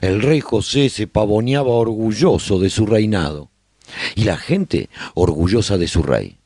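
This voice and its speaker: A survivor telling his story for a radio serial, mellow and deep, nostalgic, expressive delivery. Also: a little slow, no echo, studio quality. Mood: earnest, chronicling. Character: male survivor chronicling life in a post-apocalyptic colony, nostalgic. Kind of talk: scripted first-person radio drama narration.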